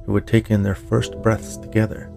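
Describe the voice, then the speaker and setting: A man's voice: lowish voice, completely flat delivery, normal speed, creaky, a little mellow, faint music behind. A man narrating scripted fiction in an audiobook style, as the host of a story podcast.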